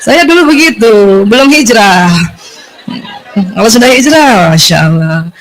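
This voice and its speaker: A woman giving a lively religious lecture to women, often asking her listeners questions. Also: fairly high pitch, a little slow, faint music behind, a faint crowd, poor audio.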